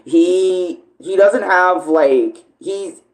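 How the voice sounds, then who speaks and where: Speaking extremely slowly in a high-pitched voice, a live streamer and online video creator rambles casually, often searching for words and correcting himself. The audio quality is poor.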